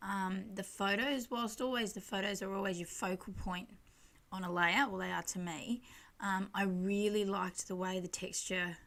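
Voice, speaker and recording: A woman's voice: mid-range voice, steady tone, moderate pace, fairly bright tone. A woman giving a casual, chatty and rambling scrapbooking voice-over as the host, with a self-deprecating way of talking. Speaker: craft channel host.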